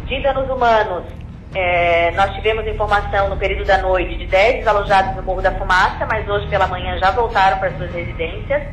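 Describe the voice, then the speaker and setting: A woman's voice: mid-range voice, brisk. A woman explaining hesitantly as an official in a phone interview. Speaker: civil defense director, interviewee. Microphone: telephone. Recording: echoey phone call with faint noise.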